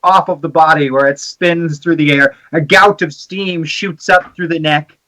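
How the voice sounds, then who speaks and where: Bright, higher-voiced male game master. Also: steady tone, normal speed, low-quality recording. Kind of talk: narrating a tabletop game.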